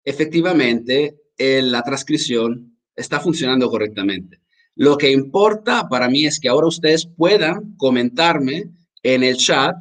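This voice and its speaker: A man of medium pitch runs a live-streamed language lesson, with his voice moving up and down in a lively way. He talks straight to his viewers and reacts to their chat messages in an animated teacher's manner. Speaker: online English teacher.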